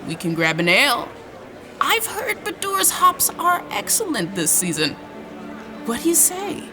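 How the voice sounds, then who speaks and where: A woman's voice: high-pitched, huge pitch swings, measured pace, heavily acted. A woman acting in an audio drama as an earnest, persuasive, weary negotiator on a future colony planet. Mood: pleading, persuasive. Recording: music under the voice.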